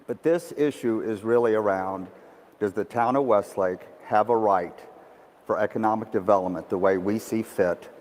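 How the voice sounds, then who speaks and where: A male mayor answers a TV interview question in an earnest, slightly halting way. His voice is low-pitched and carries a lingering reverb. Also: darkish tone. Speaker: town mayor. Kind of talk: news interview.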